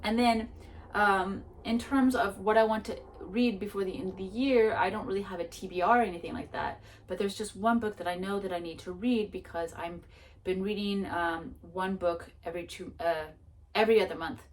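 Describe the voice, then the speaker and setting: A woman's voice: mid-range voice, moderate pace, far from the mic, slight background noise. A woman book vlogger chatting casually about her reading plans, self-mocking, with frequent restarts and laughter. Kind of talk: casual chat.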